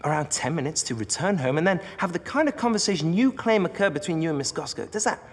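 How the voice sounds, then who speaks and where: An actor playing a composed, probing defence barrister in a television drama, with formal, precise questioning. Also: male voice, on the high side, animated, fast, long reverb tail. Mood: coolly pressing. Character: composed, probing male defence barrister, sharp in cross-examination. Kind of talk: television courtroom drama acting.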